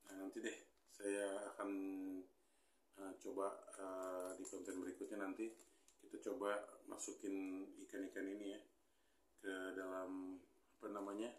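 Speaking in a low, monotone voice at an unhurried pace, a thirtysomething man does a relaxed unboxing chat for his hobby channel. He's in a small room with a pink wall, and the audio has a roomy quality. Lots of fillers and some mild complaining fill his thinking-aloud delivery.

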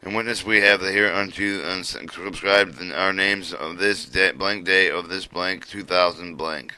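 A man's voice: low-pitched, steady tone, unhurried, sharp tone, clean tone, low-quality recording. A man reading a legal document aloud, stumbling over words and repeating himself as he goes.

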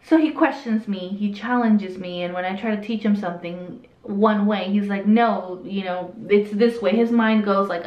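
Chatty woman with a light Hispanic accent. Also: mid-range voice. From El Salvador, raised in Southern California. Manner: chatty, candid, often trails off and restarts. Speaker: vlogger. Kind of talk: casual Q&A while doing makeup. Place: small indoor room with a curtain backdrop. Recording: roomy, slightly dull sound.

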